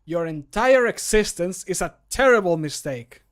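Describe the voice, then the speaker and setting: Guy doing a annoyed snappy fantasy game character, kinda high voice, full of scorn. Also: lively intonation, moderate pace, a bit bright. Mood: scornful threatening. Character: irritated, disgusted fantasy game character hurling insults. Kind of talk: video game mod voice acting.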